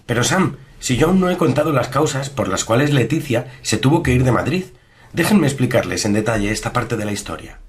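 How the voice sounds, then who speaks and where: Guy acting as the narrator's buddy in a radio serial, normal pitch, explaining stuff. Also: lively intonation, fairly quick, natural voice. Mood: insistent. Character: Roberto, adult male comrade interrupting to explain the story. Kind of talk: scripted radio drama dialogue.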